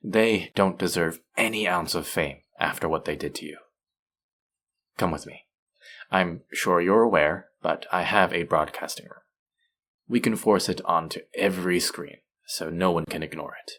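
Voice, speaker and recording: A man playing a suave, manipulative supervillain in an intimate audio roleplay, measured and teasing, softly menacing yet tender toward his captive. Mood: resolute, coaxing. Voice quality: low, creaky voice.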